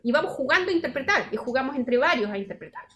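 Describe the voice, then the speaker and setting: A woman's voice: high-pitched, very animated, fast, fairly bright tone, slight background noise. A woman researcher giving an academic seminar talk, explaining her method step by step and thinking aloud as she goes. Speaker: university researcher presenting at a seminar.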